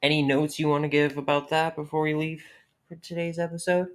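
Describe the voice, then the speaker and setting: Deep-voiced woman reading figures with fillers. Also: flat delivery. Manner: reads figures haltingly with many fillers, swears casually. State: losing her voice. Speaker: podcast co-host. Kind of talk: casual podcast chat. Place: home, cats moving around.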